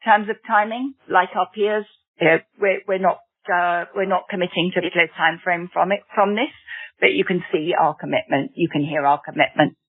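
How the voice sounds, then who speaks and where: A woman's voice: lowish voice, steady tone, moderate pace. Upbeat woman executive on a tinny phone line. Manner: upbeat and assured, with frequent ums. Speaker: bank chief executive answering analysts. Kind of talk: earnings call answers.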